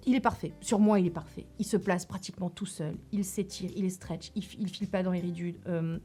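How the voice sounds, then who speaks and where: A woman's voice: lowish voice, fairly even intonation, brisk, mellow, husky. A woman chatting casually on her beauty channel, enthusiastic, with many fillers and restarts. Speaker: beauty YouTuber. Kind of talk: casual product review chat.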